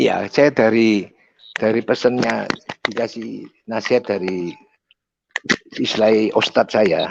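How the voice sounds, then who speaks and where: A man with an East Javanese accent talks at a very slow pace. He leaves long, frequent pauses. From East Java, Surabaya. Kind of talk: testimony.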